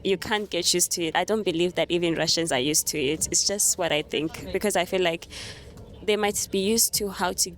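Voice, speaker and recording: A young woman from Zimbabwe, answering interview questions in a thoughtful, soft-spoken way and laughing lightly now and then. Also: lowish voice, a little fast, slight background noise. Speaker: interview guest. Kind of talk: casual conversational interview. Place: on a moving train.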